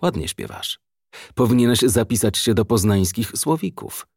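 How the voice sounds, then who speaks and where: Brief: cruel taunting inspector, voiced by a man, husky and dry. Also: expressive, normal speed, darkish tone, dry recording. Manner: taunting, low and mocking. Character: menacing, brutal male police inspector.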